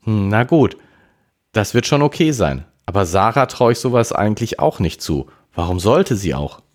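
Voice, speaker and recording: A man's voice: fairly low pitch, sing-song, moderate pace, darkish tone, voice pushed up. A man voicing a worried, irritable teenage girl who talks anxiously and snaps easily, in an audiobook reading. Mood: fretful.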